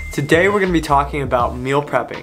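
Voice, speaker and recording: The speaker is a man. Music sounds faintly behind him. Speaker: fitness vlogger. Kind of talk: casual vlog chat. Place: home room. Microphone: phone near.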